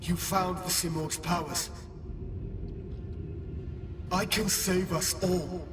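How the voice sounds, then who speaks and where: An actor playing a grave, desperate warrior double in a video game, solemn, intense and commanding. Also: male voice, high voice, fairly even intonation, slow pace, background noise. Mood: grave, demanding. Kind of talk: video game character acting. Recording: distant voice in long reverb.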